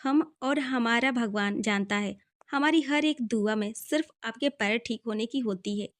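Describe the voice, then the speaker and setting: A devoted, protective young husband voiced by a woman reading the story aloud. His lines come in a high, light voice that is tender and firm by turns. It is an audio story reading. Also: measured pace, lightly acted. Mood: angry.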